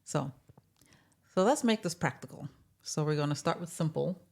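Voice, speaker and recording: Woman, low voice, casual health talk, encouraging, practical. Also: expressive, normal speed, vocal fry, darkish tone. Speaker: health coach co-host.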